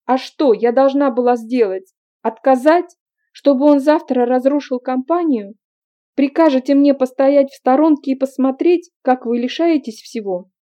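A woman's voice: high-pitched, normal speed, voice pushed up, natural voice. Woman voicing a furious tearful young woman. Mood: angry, tearful. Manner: sharp, accusing outbursts. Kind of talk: audiobook character reading. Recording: dull lo-fi recording.

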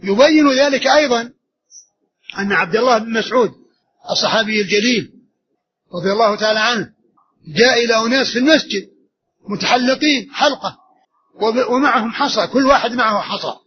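A high-pitched man delivers an earnest religious lesson at a brisk pace, repeating key phrases for emphasis. The recording is dull and lo-fi with a faint hiss underneath. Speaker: religious teacher. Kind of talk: religious lesson explaining hadith.

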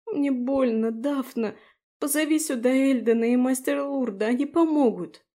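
A woman voicing a frightened, tearful young girl in a fantasy audiobook, high and plaintive. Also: moderate pace, warm tone, lightly acted. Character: girl Abi, young fairy-tale student, frightened and tearful.

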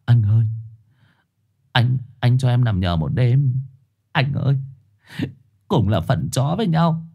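A man's voice: mid-range voice, animated, slow, vocal fry, pauses often, husky, highs cut off, full character voice. A man doing a stammering young stray dog. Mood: pleading. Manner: stammering, pleading. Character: young timid male stray dog, pleading.

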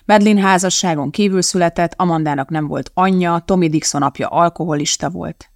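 An audiobook narrator reading a novel in a calm, even storytelling manner. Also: mid-range voice, no room sound, clean studio sound. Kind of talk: scripted narration.

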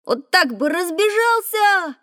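A woman voicing a lively, curious schoolboy who asks eager questions in a children's audio drama. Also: very high-pitched, slow pace, no echo, exaggerated voice. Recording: dry studio recording.

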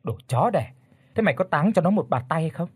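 A man voicing a brash, foul-mouthed teenage schoolgirl in a story reading, with a husky, blunt, teasing delivery. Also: fairly high pitch, expressive, fairly quick, no room sound, voice pushed up.

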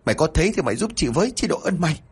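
A man voicing a frantic young village mother with a Southern Vietnamese accent, pleading, crying and shouting. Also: fairly high pitch, very animated, rapid-fire, husky, voice pushed up, full character voice.

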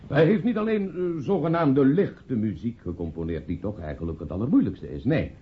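A man's voice: mid-range voice, very animated, moderate pace, lightly acted. An actor in a radio play voicing a jovial, self-important man making a pompous party speech. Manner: pompous, chuckling oratory. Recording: muffled, noisy old radio play recording.

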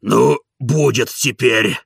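A man doing a gravelly, grumbling old manservant. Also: mid-range voice, slow pace, no echo, clean studio sound, exaggerated voice. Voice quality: gravelly, hoarse. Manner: grumbling, evasive. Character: old grumbling male servant, stubborn and sullen.

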